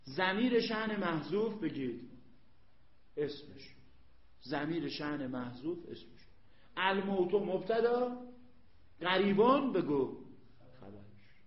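A man's voice: high-pitched, sing-song, long pauses. A man teaching an Arabic grammar lesson, emphatic, repeating points and quizzing his students. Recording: echoey room, dull lo-fi sound.

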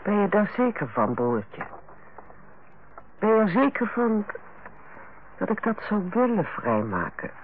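Stern older nurse, tinny radio recording. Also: female voice, mid-range voice, big pitch swings, a little slow, pauses often. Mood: guarded, bitter. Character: stern, lonely older head nurse, softening. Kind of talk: Dutch radio play acting. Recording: tinny, band-limited old radio recording, faint noise.

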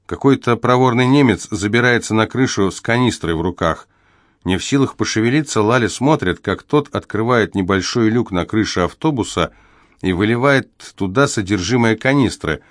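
Male audiobook narrator, low and grave, measured read, dry studio sound. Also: dry recording. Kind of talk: scripted narration.

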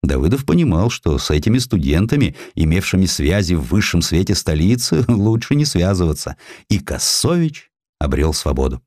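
A man narrating a historical literary essay in an expressive, theatrical way. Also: deep voice, moderate pace, dry recording, studio quality. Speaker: audiobook narrator.

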